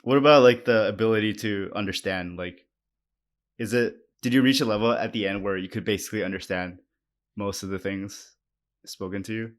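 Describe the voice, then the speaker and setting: A man's voice: fairly low pitch, steady tone, fairly quick. A man co-hosting a casual podcast interview, asking curious follow-up questions in an easygoing way. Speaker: podcast co-host.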